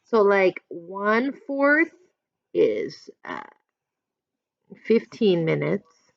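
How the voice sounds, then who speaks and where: A woman's voice: medium pitch, very animated, drawn-out words, creaky, lo-fi sound, slight background noise. A woman teacher reading a picture book aloud expressively, adding instructive asides and questions for listeners.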